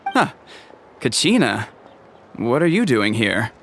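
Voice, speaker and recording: An actor playing a protective, wary tribal chief in a video game, speaking in a measured, authoritative way. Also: male voice, mid-range voice, big pitch swings, noisy background. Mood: stern, wary. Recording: music behind the voice.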